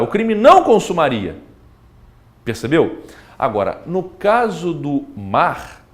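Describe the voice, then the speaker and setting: Male law teacher, Brazilian accent, very animated pitch, addresses the student directly. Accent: Brazilian Portuguese. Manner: animated, talks straight to the student, acts out examples. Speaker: law exam prep teacher. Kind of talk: recorded video lecture.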